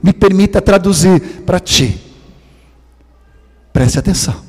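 A man in his sixties from Sweden, speaking as a preacher with a Swedish accent, stretching key words slowly and sinking into hushed near-whispers for emphasis. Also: high-pitched, animated, husky, in a large hall. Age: 60s. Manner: slow, drawn-out stress on key words. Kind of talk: sermon.

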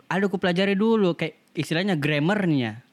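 A man with a high voice and a Makassar accent trades quick, playful remarks with his co-host in a relaxed conversation. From Makassar, Indonesia. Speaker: podcast co-host. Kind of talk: casual chat.

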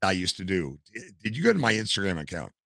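A retiree from the States holds forth as a podcast guest, all anecdotes and asides. His voice sits low with a gravelly edge and a bright, forceful bite. The sound is close and dry, with no room around it. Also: fast, no echo. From United States. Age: older. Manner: animated anecdotal storyteller. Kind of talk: casual storytelling interview. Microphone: headset.

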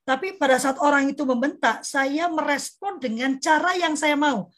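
A woman moderating a discussion, explaining by acting out example dialogues and slowing on key points. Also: sits high, a bit bright. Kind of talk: discussion talk.

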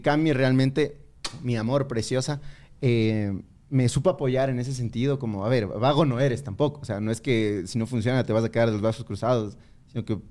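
A young man, a comedian telling a story in casual talk and acting out other people's lines. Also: medium pitch. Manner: animated, acts out others in quoted voices. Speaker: comedian guest.

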